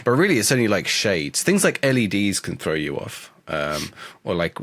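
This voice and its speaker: A man's voice: lowish voice, big pitch swings, normal speed, a bit bright, no echo. A man co-hosting a podcast in casual chat, congested from a cold and chatty, with frequent restarts. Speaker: podcast co-host.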